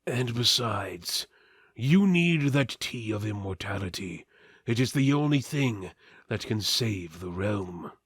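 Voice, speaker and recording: A man plays a dying prince from a fantasy storybook. He speaks weakly and solemnly, halting for drama with a swaying pitch, close and dry. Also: expressive, breathy edge, dry recording, full character voice. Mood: weak, pleading. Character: dying noble prince, frail, solemn, secretive companion.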